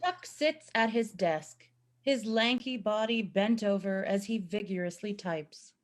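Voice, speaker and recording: A woman's voice: medium pitch, a little slow. A woman narrating scripted stage directions for a play reading.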